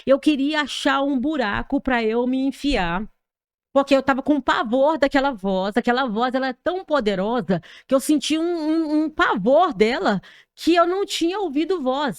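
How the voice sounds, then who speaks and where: A woman's voice: sits high, animated, normal speed, dry recording, studio quality. A woman pastor with a Brazilian accent giving a dramatic personal testimony as a podcast guest, telling it vividly with sound effects. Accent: Brazilian Portuguese. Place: podcast studio.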